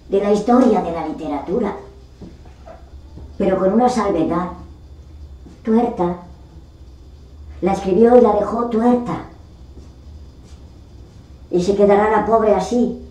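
A woman performing a theatrical monologue as a discarded literary character, bitter, self-pitying and indignant, lamenting with dramatic pauses. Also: medium pitch, dark tone, close to an everyday voice. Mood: pained indignation. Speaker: actor rehearsing a monologue. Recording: distant mic, echoey room, faint noise.

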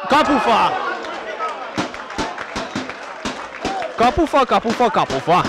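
A man with a Hungarian accent giving excited, raised-voice live football commentary as the home team's commentator. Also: extremely high pitch. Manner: excited, shouting Hungarian sports commentary at peaks. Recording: outdoor stadium with crowd noise. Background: football crowd outdoors.

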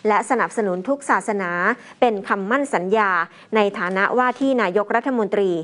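A woman news anchor reading a political report in a steady, formal manner. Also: mid-range voice, moderate pace.

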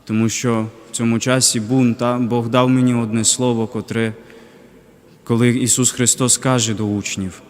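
A young man, a deacon, giving a reflective personal faith testimony in a halting way, pausing often. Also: mid-range voice, level tone, long reverb tail. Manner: reflective, halting, with pauses and fillers. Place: cathedral parish.

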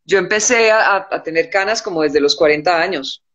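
A woman, answering calmly as a guest on a live video chat from home. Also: fairly low pitch, a little fast. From born in the United States, raised in Colombia. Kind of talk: casual live-stream chat. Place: indoor room at home.

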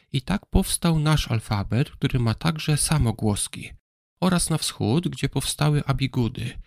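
Gravelly-voiced man explaining calmly. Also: medium pitch, no room sound, clean studio sound. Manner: calm explanatory, spells out letters slowly. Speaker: presenter of a Bible history program. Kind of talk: scripted educational narration.

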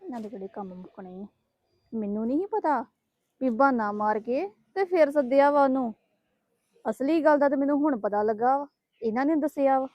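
A woman's voice: high voice, lively intonation, normal speed, no echo, muffled recording. An actress playing a resentful woman who complains bitterly about her in-laws in a family drama. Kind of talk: Punjabi family drama acting.

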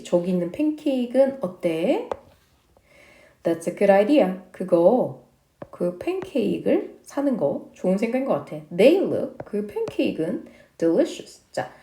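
Lady teaching english, slow careful reading, bouncy pitch, echoey room. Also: dark tone. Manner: reads English lines slowly, explains each in Korean. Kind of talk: English lesson, reading and translating dialogues.

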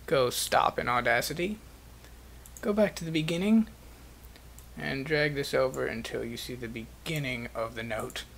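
A man with a slightly higher-pitched voice narrates a software tutorial. He presents it as a step-by-step instructional screencast.

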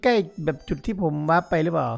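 A man giving excited game commentary to his viewers, exclaiming and laughing often. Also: on the high side, fast talker, creaky, faint music behind. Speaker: gaming YouTuber.

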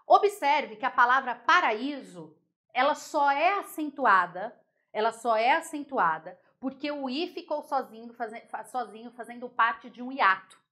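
Bright, high-voiced Brazilian teacher woman. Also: unhurried. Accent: Brazilian Portuguese. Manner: lively, explains step by step, asks the class if they follow. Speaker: Portuguese teacher. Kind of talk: online grammar lesson.

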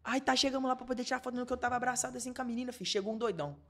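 A man's voice: very high voice, fairly even intonation, fairly bright tone. A young man in casual chat, telling stories with slang, repeating words and acting out what people said. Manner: rapid slangy storytelling, repeats words, acts out quotes. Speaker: podcast guest.

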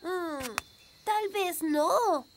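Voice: very high voice, very slow, a little hiss or hum, heavily acted. An actor voicing a friendly, earnest little elf boy in a Latin American Spanish children's cartoon, with a childlike delivery. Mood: worried.

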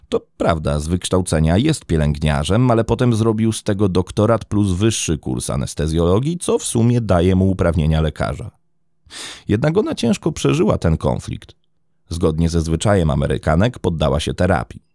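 Male true-crime narrator, very deep, dark, expressive, dry close sound. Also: dry recording. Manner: measured, dramatic storytelling.

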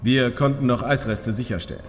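A man's voice: mid-range voice, a little fast, a little hiss or hum, natural voice. An actor playing a dry, matter-of-fact male crime scene investigator in an audio drama, reporting soberly. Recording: reverberant hall, music underneath.

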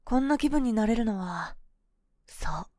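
女性が演じるささやきロールプレイのクールなボーイッシュ女子、ゆっくりした甘い添い寝トーク. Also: female voice, on the high side, animated, dry recording, studio quality. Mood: soothing, hypnotic. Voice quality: soft, breathy soft-spoken. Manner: coaxing, slow, hypnotic pillow talk. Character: cool boyish young woman, possessive, sweetly manipulative lover. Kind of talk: ASMR role-play, intimate pillow talk. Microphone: close microphone, dry.

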